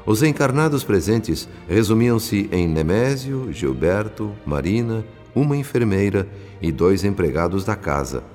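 Compassionate spirit narrator: very low, solemn scripted storytelling over faint music. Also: male voice, lively intonation, a little slow, hardly any pauses, a little mellow. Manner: solemn, literary. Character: grave, compassionate male spirit narrator recounting his work.

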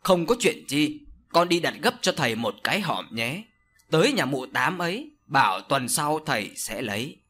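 A man voicing an older village sorcerer who speaks slowly and solemnly in an audio story. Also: fairly high pitch, very animated, fairly bright tone, breathy edge, heavily acted. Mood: scolding. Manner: slow, solemn, scolding. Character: older male village sorcerer, stern and grave.

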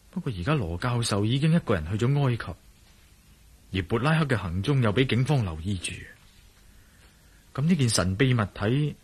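An actor voicing a calm, curious male investigator in a Cantonese radio drama, speaking in a measured, musing way. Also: mid-range voice, husky. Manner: musing inner monologue, measured. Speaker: lead character.

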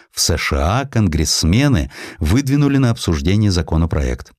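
A man's voice: low voice, a little mellow, no room sound, clean studio sound. A man narrating a historical essay as a scripted audiobook, with theatrical, ironic storytelling and varied emphasis.

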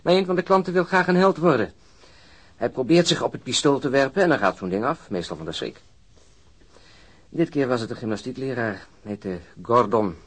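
An actor playing a cynical, grumbling heavyset police detective in a radio drama, in wry, natural dialogue. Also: male voice, medium pitch, expressive, moderate pace, breathy edge.

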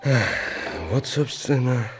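An actor in an audio play voicing an earnest, gallant young unlucky artist who plays sleuth, telling his story theatrically with expressive pauses. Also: medium pitch, background noise, close to an everyday voice. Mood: eager recounting. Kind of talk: theatrical audio drama acting.

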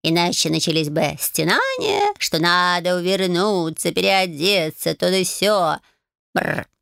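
A woman's voice: fairly low pitch, very animated, creaky, fairly bright tone, clear, resonant tone, no echo, clean studio sound, heavily acted. Bayun, a woman doing a preachy magic tomcat. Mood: grumbling. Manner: slow, drawn-out, lecturing, purrs and meows. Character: wise grumpy magic tomcat, preachy mentor. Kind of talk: audiobook character voice.

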